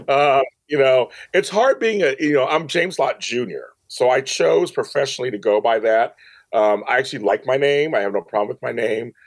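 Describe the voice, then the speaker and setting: A middle-aged man, described as middle-aged or older and a grandfather, speaks candidly as a podcast guest in a conversational interview; he's the CEO of a media company. His medium-pitched voice is expressive at normal speed, and he's emphatic, repeating phrases to drive his point home. The recording is dry.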